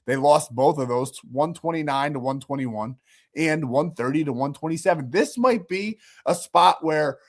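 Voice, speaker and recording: Speaking at a normal pace in a fairly high voice, this sick New Yorker is losing his voice yet still talks through his sports betting picks for his channel. He's rambling and sure of himself, often correcting his own words in this casual chat.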